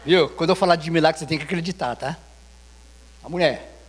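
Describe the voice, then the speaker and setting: A man's voice: a little high, brisk, slightly rough, in a large hall. A man with a Brazilian Portuguese accent, a pastor preaching an informal sermon full of anecdotes and acted-out dialogue in a church. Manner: storytelling, animated, acts out dialogue. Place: church sanctuary.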